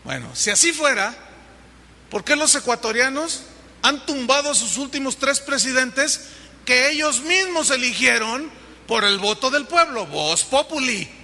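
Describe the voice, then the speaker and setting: A man's voice: very high voice, expressive, measured pace, sharp tone. A male pastor with a Mexican accent preaching a sermon, emphatic and driving his points home through repetition. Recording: long hall reverb, faint noise.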